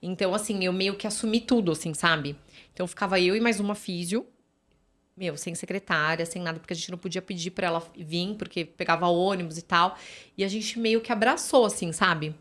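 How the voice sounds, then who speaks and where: A woman's voice: lowish voice, brisk, a bit bright. A woman, a physiotherapist chatting as a podcast guest, storytelling with lots of fillers and tag questions. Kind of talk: casual podcast conversation.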